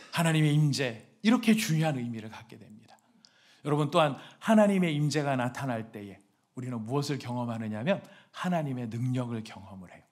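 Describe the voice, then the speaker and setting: A Korean pastor preaching a sermon, asking the congregation questions and reading scripture slowly and loudly, with emphatic shouted lines. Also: male voice, medium pitch.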